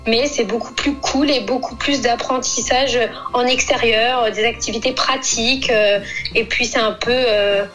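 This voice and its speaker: Woman guest from france, higher voice, halting with lots of ums, faint music behind. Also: fairly even intonation, a bit bright, poor audio. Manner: hesitant, many fillers and pauses. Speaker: guest, expat mother. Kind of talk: casual interview answers.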